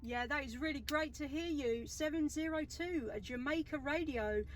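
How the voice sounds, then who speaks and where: Woman, high-pitched, CB radio operator, enthusiastic, distant from mic, noisy vehicle recording. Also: normal speed. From England. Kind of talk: amateur radio contact calls. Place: inside a vehicle, mobile radio station.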